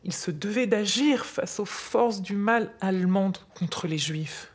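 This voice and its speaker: A woman's voice: mid-range voice, takes it slowly, husky. A woman in her sixties playing a grandmother who patiently explains wartime history to her granddaughter in scripted French dialogue. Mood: earnest. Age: 60s. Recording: faint music behind.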